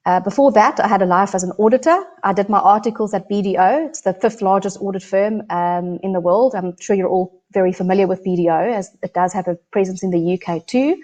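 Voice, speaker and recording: A middle-aged South African woman presenting company financial results in a measured, businesslike way. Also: medium pitch, darkish tone. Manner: measured, businesslike, some fillers. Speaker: chief financial officer.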